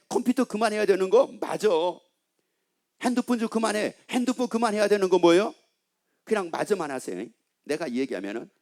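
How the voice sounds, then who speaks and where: Animated Korean pastor with a lively high voice. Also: male voice. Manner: animated, acts out a scolding father's lines; asks the congregation questions and answers them himself. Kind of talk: sermon.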